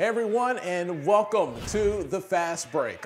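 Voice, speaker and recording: Fairly slow speech over light background noise. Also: man. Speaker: sports show host. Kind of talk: presenter intro and interview questions. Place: studio. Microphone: lapel.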